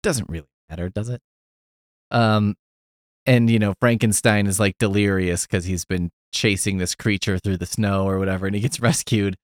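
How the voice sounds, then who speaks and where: A man's voice: fairly low pitch, fairly even intonation, moderate pace, dry recording, clean studio sound. A middle-aged man hosting a podcast in casual chat, retelling a story in a rambling, sarcastic way with plenty of swearing and asides. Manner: rambling, heavy on fillers and asides. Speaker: podcast host.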